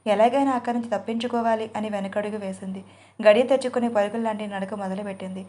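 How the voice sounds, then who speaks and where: Female storyteller, flat monotone narration, steady audio-story reading. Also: medium pitch, quick pace. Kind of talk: scripted narration.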